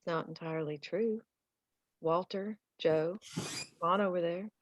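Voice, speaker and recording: A woman's voice: fairly low pitch, unhurried, dry recording. A woman playing a devoted, encouraging wife in a script table read. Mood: tender, encouraging. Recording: dull, muffled lo-fi mic.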